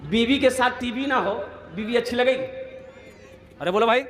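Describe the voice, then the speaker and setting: A man's voice: very high-pitched, normal speed, a bit bright, reverberant, long reverb tail, slight background noise. A man from Kolkata preaching a sermon in with a tinge, rousing and rhetorical, prodding the crowd to answer and slipping in mocking jokes. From Kolkata, India. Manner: jokey, mocking asides. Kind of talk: sermon to a gathering.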